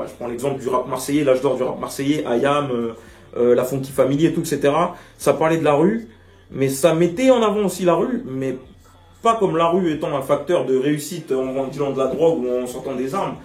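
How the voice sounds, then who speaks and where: Speaking in a medium-pitched, darkish voice, this French Guianese rapper is interviewed and airs outspoken views with passion and emphasis. The audio has a roomy echo, distant mic placement and faint music behind him.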